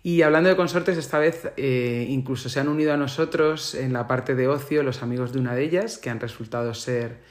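A man from Spain with a Spain Spanish accent, speaking alone in a reflective, unscripted monologue. His voice sits at an ordinary middle pitch, and he talks thoughtfully, pausing to search for the right word. He sounds like a podcaster musing on his own experiences.

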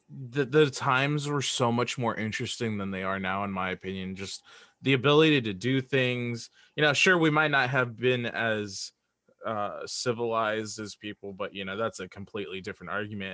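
A man's voice: mid-range voice, sharp tone, no echo, studio quality. A man in a casual podcast conversation, rambling reflectively and voicing imagined quotes as he goes.

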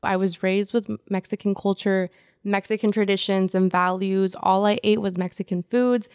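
A woman's voice: medium pitch, fairly even intonation, normal speed, darkish tone, clear, resonant tone, no room sound, studio quality. A young woman from Indiana whose first language was Spanish, co-hosting a podcast in a candid, laughing casual chat. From Indiana, United States. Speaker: podcast co-host.

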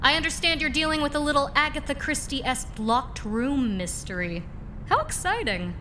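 A woman's voice: sits high, lively intonation, moderate pace, bright, forceful tone, a little hiss or hum. A young woman playing a cheeky, theatrical masked vigilante in a pulp radio drama, self-assured and showy. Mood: cocky, teasing.

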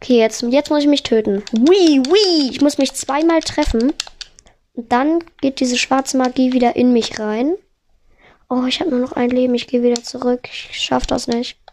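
A woman on a headset mic giving excitable let's play commentary, narrating every move and swearing when she fails. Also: high voice, normal speed, slight background noise. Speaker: gamer.

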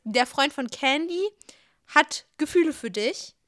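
A woman's voice: sits high, expressive, measured pace, a bit bright, no echo, clean studio sound. A young woman co-hosting a casual podcast, playfully reading out the text of a story game and laughing along. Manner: laughing, playful, reads dialogue aloud. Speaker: podcast co-host.

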